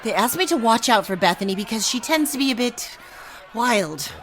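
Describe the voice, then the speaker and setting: A woman's voice: fairly high pitch, animated, moderate pace, fairly bright tone, soft background music. An actress playing a cautious, earnest woman professor in a golden-age style radio drama. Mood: worried. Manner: worried, earnest. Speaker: professor, the student's supervisor.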